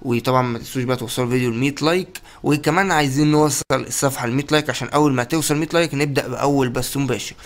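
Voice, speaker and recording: A young man with an Egyptian Arabic accent giving excited, exclamatory commentary while hosting his gaming channel. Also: mid-range voice. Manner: energetic, exclamatory, rapid-fire.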